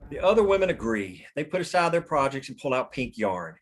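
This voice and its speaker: Man, mid-pitched voice, scripted narration, screenplay directions at a table read. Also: very animated, a little fast. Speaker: stage-direction reader.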